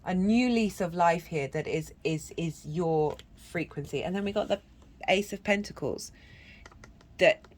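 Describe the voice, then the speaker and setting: A woman's voice: fairly low pitch, measured pace. A woman giving a channelled tarot reading, congested from a cold. She talks in an earnest, meandering way with many restarts and breaks into chanted syllables. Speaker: tarot reader.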